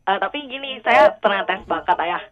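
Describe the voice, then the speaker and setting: A woman's voice: medium pitch, animated, normal speed, a little hiss or hum. Young woman calling in, muffled phone. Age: young adult. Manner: hesitant, many fillers. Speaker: caller. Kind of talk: phone-in question. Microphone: telephone.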